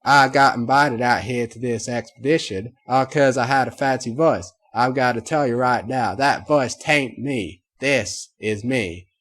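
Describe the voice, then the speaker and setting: A man's voice: medium pitch, fairly even intonation, moderate pace, hardly any pauses, a bit bright, natural voice. A man voicing a plainspoken farm mare. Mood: defiant. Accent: Southern US. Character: proud honest farm mare, southern twang.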